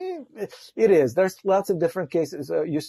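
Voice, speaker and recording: This man's voice has a somewhat breathy quality. He speaks at a fairly quick pace. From Ukraine (Kiev), former Soviet Union. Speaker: software developer. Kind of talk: casual interview.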